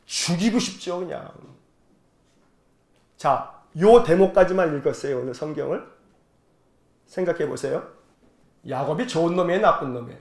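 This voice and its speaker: High-voiced pastor in an echoey church. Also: male voice, moderate pace, long pauses. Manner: lively colloquial storytelling with call-and-response. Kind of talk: sermon. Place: church sanctuary.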